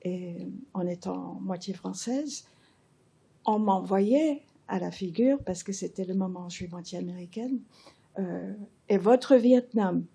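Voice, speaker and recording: An older woman in the audience making a thoughtful, measured comment at a talk, with pauses. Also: medium pitch, creaky, warm tone, slightly rough. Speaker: audience member.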